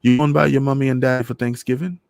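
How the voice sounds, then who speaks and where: A man's voice: medium pitch, little pitch movement, fast talker, gravelly, a little mellow, voice pushed up, lightly acted. A man voicing a lonely, cheerful old man from Trinidad, speaking in a lilting island dialect with a Trinidadian accent. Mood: wistful.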